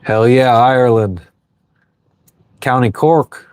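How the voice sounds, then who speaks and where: A man in his thirties runs an easygoing livestream from a sailboat lying at anchor, reading out viewer comments, answering carelessly and swearing freely. His voice is mid-range and slightly mellow, his pace slow, with no room sound.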